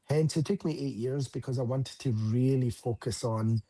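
A man's voice: mid-range voice, moderate pace, warm tone. A man with a Scottish accent, a relationship coach talking earnestly at length as an interview guest. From Scotland. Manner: earnest, explanatory, frequent fillers.

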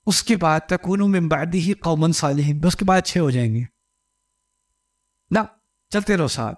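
A man's voice: fairly high pitch, normal speed. A man giving a conversational religious lecture, explaining patiently and quoting Quranic Arabic. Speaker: Islamic lecturer.

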